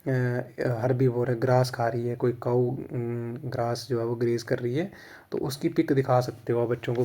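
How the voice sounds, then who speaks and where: A man's voice: medium pitch, dark tone. A man with an Indian accent explains a lesson plan in casual instructional Hindi mixed with English, often checking "theek hai".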